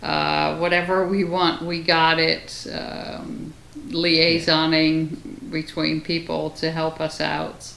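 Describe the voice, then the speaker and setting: With noticeable background noise, a woman with a slight Dutch accent speaks at a very slow pace. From Netherlands. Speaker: vlogger with cancer diagnosis. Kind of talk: personal video diary. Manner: hesitant, many fillers.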